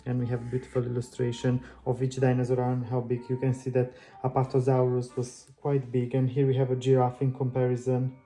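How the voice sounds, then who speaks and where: Chatty man with a flat, mellow voice. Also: medium pitch, fairly quick, hardly any pauses. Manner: friendly, chatty, loose phrasing with restarts. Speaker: book channel host. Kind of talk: casual book flip-through vlog.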